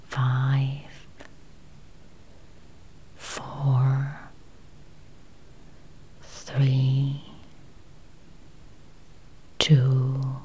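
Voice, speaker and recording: A woman leading a guided meditation in a soft, breathy near-whisper, with calm, soothing, deliberate phrasing. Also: extremely low pitch.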